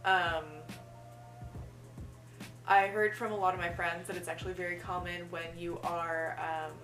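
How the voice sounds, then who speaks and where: A man's voice: sits high, level tone, measured pace. A young trans man vlogging casually to camera, chatty and candid, with many ums and little laughs. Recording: echoey room with faint music.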